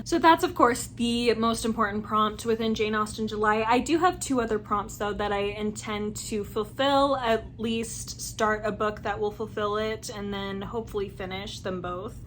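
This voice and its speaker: Chatty, slightly croaky woman vlogger. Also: fairly high pitch, slight background noise. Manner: chatty and upbeat. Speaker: book vlogger. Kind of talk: casual chat to camera.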